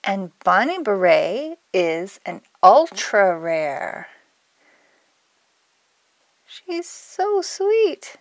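A woman's voice: mid-range voice, sing-song, extremely slow, long pauses, no echo. A woman hosting a toy unboxing for children, narrating playfully in a gushing, exclamatory, sing-song way. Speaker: toy unboxing video host.

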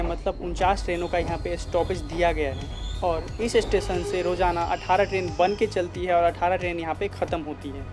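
A young man in his twenties narrating a train journey vlog casually, speaking from a moving train with a clip mic. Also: high-pitched. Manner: informal, addresses viewers as bhaiya. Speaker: train travel vlogger. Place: on a moving train, outdoors by the open door. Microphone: wireless clip mic. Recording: loud train noise and background music.

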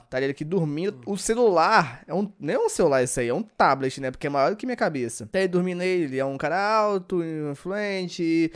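Fast-talking, excitable Brazilian gamer man. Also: high-pitched. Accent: Brazilian Portuguese. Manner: excitable, yelps and shouts at the game. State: sleepy and exhausted. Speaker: gaming YouTuber. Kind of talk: let's-play commentary.

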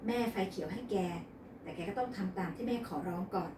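A woman's voice: medium pitch, quick pace, background noise, close to an everyday voice. A woman voicing a stern, bossy wealthy matriarch in a read-aloud novel, recorded in an echoey room from a distance. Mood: hushed. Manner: scolding, bossy.

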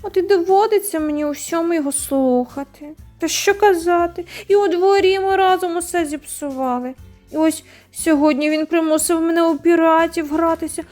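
A woman doing a plump ginger tomcat in a storybook, whining and sorry for himself. His voice sits high, and a little music plays faintly behind him. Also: normal speed, darkish tone. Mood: complaining. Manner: whining, self-pitying.

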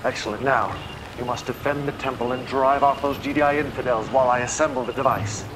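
A man's voice: mid-range voice, steady tone, fairly quick, close to an everyday voice. A man playing an imperious, disdainful cult commander giving dramatic orders in a strategy game briefing. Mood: pleased, commanding. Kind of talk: video game briefing acting. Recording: heavy background noise over the voice.

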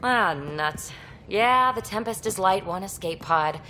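A woman's voice: medium pitch, lively intonation, a little slow, sharp tone, slight background noise. A woman playing a young, impulsive alien explorer in a video game, wry, casual and earnest. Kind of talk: video game cinematic acting.

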